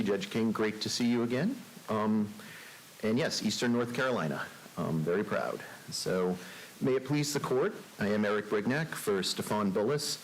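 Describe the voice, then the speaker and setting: Low-voiced male lawyer, courteous and articulate. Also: low-quality recording. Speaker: appellate defense lawyer. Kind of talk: formal oral argument. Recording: faint hiss.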